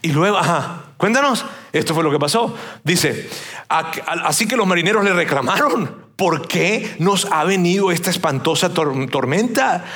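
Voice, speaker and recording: A preacher delivers a casual, animated sermon. His voice sits high for a man. He slips into the voices of the people in the story as he tells it. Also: moderate pace. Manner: lively, acts out the sailors' and captain's lines.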